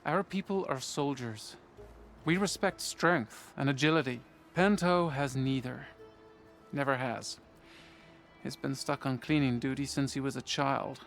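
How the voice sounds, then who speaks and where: A stern but fair commander of tribal soldiers in a game. His voice sits a little high for a man and stays measured and firm. Faint music plays behind him. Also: a bit bright. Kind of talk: video game character acting.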